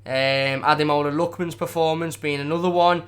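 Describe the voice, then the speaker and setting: A young man, hoarse from a sore throat, hosting a live-stream football match review in a passionate, rambling way. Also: fairly high pitch, fairly even intonation, moderate pace, fairly bright tone. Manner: passionate, rambling, many repeated words. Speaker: football fan channel host. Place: at home.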